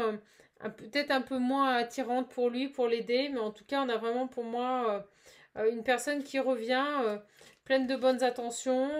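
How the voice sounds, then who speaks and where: Woman card reader, fairly high voice, hesitant and filler-heavy, encouraging casual delivery. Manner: hesitant, many fillers and restarts; chatty and encouraging. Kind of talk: casual card-reading guidance.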